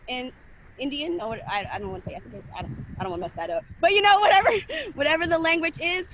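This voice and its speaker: Woman, high voice, lively casual speech, says y'all, faint noise in the background. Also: poor audio. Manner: animated, laughing, addresses listeners as y'all. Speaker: panelist, scholar and street dancer. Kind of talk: casual panel discussion.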